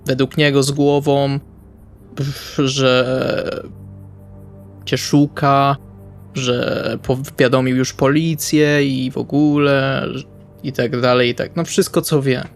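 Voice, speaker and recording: A man's voice: medium pitch, flat delivery, slow pace. A man playing a blunt, exasperated male vampire in an improvised tabletop roleplay, speaking colloquially and hesitantly, with music behind him. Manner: colloquial, swearing, hesitant phrasing.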